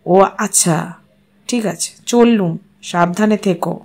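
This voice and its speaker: Audio story husband, female reader: lowered voice, courteous, playful, conversational, affectionate. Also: slow pace, darkish tone. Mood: casual, courteous. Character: gently teasing husband, adult man, fond and courteous.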